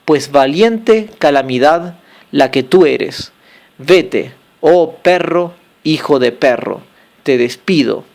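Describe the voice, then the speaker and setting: A man voicing a wealthy merchant master who scolds and curses his slave in anger, with slow, heavy stresses. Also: a little high, expressive, vocal fry, darkish tone, exaggerated voice. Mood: furious.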